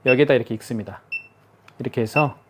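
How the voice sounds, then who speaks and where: A man demonstrating a gadget on camera, talking viewers through every step. He explains patiently and often repeats a phrase to make sure it lands. His voice sits at an ordinary middle pitch. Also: fast talker, background noise. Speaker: product demonstrator. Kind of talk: hands-on product tutorial.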